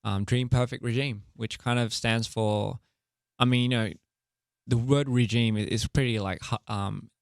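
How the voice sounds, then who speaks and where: A young man chatting candidly as an interview guest, loose and relaxed, full of fillers and laughing easily. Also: mid-range voice, normal speed, gravelly, clear, resonant tone, no echo, clean studio sound. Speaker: interview guest, music artist and director. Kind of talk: casual interview chat.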